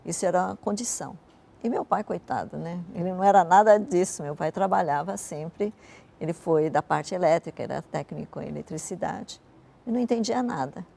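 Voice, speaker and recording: A woman's voice: lowish voice, fairly quick, gravelly, warm tone, breathy edge. An older woman who grew up in Japan and speaks natively, recalling her life in a reflective, conversational way during an interview. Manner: reflective storytelling, frequent "né" tags. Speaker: interview guest, businesswoman.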